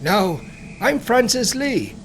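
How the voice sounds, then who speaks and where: A man's voice: very high-pitched, very animated, takes it slowly, gravelly, a little hiss or hum, voice pushed up, full character voice. A man voicing a pleasant, easygoing young mine boss in an audiobook story. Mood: friendly. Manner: friendly, casual.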